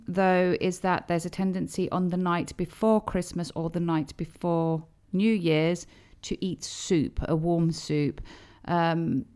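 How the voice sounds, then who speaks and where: A woman's voice: deep voice, creaky, darkish tone, clean tone. A young woman who grew up in Greece, co-hosting a casual podcast and explaining things in an easy, chatty way. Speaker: podcast co-host.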